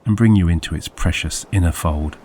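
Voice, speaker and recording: A man narrating a scripted guided sleep meditation as a hypnosis guide, soothing and measured, with deliberate phrasing. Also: low voice, a little mellow, a little hiss or hum.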